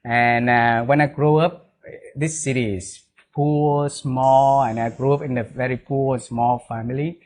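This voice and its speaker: A man's voice: medium pitch, fairly even intonation, unhurried, a little mellow. A male interview host with a Vietnamese accent and a mid-range voice. He speaks eagerly and keeps turning his sentences into questions for his guest, often ending them with "right?". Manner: eager, leans on "right?" tags. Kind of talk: interview conversation.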